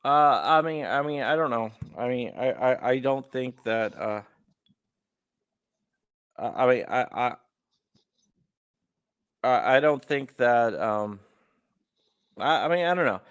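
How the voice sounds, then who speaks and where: A man hosting a casual call-in interview, relaxed and halting, often stammering and restarting. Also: medium pitch, smooth, no echo, clean studio sound. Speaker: host.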